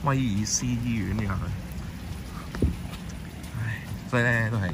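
A man's voice: on the low side, moderate pace. A man with a Hong Kong Cantonese accent, live-streaming a walking tour on rainy night streets and chatting casually with viewers as he walks. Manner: chatty, talks to viewers and passers-by. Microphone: handheld phone camera. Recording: steady rain and passing traffic behind.

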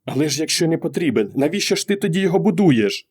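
Guy putting on a worried fed-up wife, higher voice, keeps pushing with questions. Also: animated, fast talker, darkish tone, husky. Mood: pleading. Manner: pressing, insistent questioning. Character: anxious middle-aged wife, exasperated and pleading. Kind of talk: audiobook character voice.

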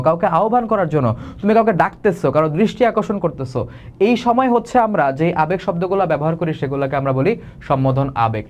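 A young man from Bangladesh teaching an online exam-prep class, explaining in a casual, colloquial way and acting out the example phrases. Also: on the high side.

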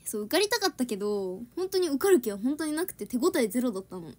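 A woman's voice: on the high side, very animated, quick pace, a little mellow. A young woman chatting casually on a livestream, giggling and answering viewers' comments. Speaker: idol trainee livestreaming to fans.

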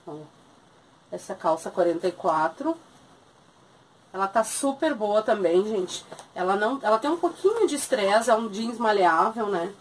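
A woman's voice: mid-range voice, lively intonation, normal speed, slight background noise. Chatty Brazilian woman selling clothes. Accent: southern Brazilian Portuguese. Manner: chatty, keeps calling viewers "gente". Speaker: thrift shop seller. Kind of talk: casual sales video. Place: small clothing shop indoors.

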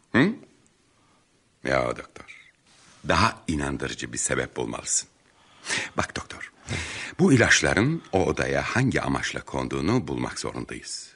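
An actor playing a tough, commanding and mocking police inspector in a Turkish radio drama. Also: male voice, a bass voice, a bit bright, exaggerated voice.

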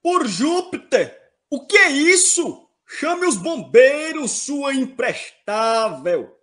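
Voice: high voice, very animated, takes it slowly, fairly bright tone, heavily acted. An actor with a Brazilian accent playing a pompous, exasperated king in a comic audio drama. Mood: panicked. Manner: pompous, melodramatic. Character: pompous, exasperated king berating servant and prophetess.

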